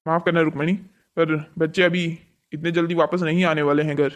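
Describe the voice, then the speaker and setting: A man's voice: fairly high pitch, flat delivery, brisk, a little hiss or hum, natural voice. A man voicing a strict, unyielding father and husband in a cartoon story, firm and lecturing. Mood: firm, irritated. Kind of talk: scripted cartoon story dialogue.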